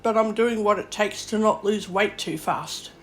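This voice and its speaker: A woman's voice: mid-range voice, normal speed, soft background music. A woman chats casually and bluntly while eating, talking with her mouth full of snack food. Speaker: vlogger.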